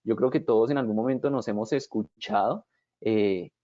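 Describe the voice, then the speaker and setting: A man with a lowish, mellow voice speaks at normal speed, delivering a didactic lecture as a communication trainer. He explains things and keeps checking in with his audience through frequent rhetorical "¿sí?" and "¿cierto?". The recording is dull, dry, and lo-fi.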